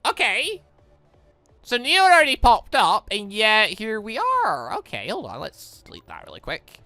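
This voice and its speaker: A man commentates casually over a video game in a bright, forceful voice. His pitch jumps around in an animated way as he reacts out loud. The sound is close and dry, with game music underneath. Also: a little slow, no room sound. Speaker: video game let's player. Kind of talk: casual let's play commentary, reading visual novel dialogue aloud.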